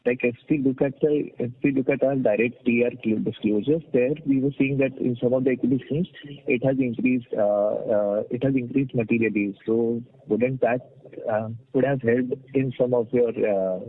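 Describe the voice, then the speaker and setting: Husky hesitant man calling by phone. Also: mid-range voice, fairly even intonation. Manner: hesitant, halting questions. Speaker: analyst caller. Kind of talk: asking questions on earnings call. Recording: muffled dry telephone line.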